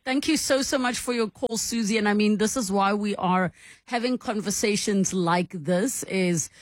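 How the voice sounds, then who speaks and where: A woman hosting a talk radio show, conversational and warm. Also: mid-range voice, normal speed, no echo, studio quality. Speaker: radio host. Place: radio studio.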